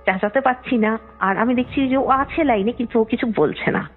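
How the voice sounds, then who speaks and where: A young woman calls in and tells her story in a loose, rambling way, often trailing off mid-thought. Her voice sits a little high and comes across husky. It all arrives through a thin, phone-like line, with soft music underneath. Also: moderate pace. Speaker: caller. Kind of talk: casual storytelling on a call.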